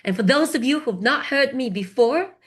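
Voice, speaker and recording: A woman's voice: sits high, lively intonation, moderate pace, husky. Woman, Polish accent, middle-aged, webinar host, engaging, talks to live chat viewers. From Poland. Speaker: webinar host and project consultant.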